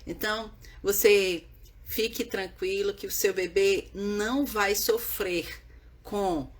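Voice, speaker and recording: Husky-voiced woman explaining patiently. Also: medium pitch, fairly even intonation, takes it slowly. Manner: earnest, repetitive, checks in with "né?" and "certo?". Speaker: baby sleep educator. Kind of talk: explaining to viewers on camera.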